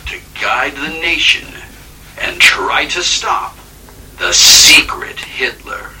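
A man narrating a game in a spooky, dramatic scripted style, hushed and often dropping to a whisper, heard from a distance. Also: fairly high pitch, animated, slow pace. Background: clear background noise.

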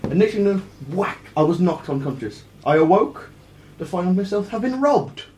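A man improvising a boastful tall tale in character, rambling and halting as he goes. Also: high voice, very animated, darkish tone. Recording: echoey room with faint noise.

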